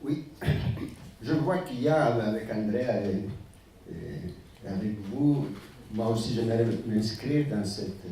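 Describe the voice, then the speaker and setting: A man's voice: lowish voice, slow, dark tone, slight background noise. A man commenting on a literary panel in a conference hall, emphatic yet hesitating with fillers. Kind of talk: panel discussion. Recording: echoey hall from far off.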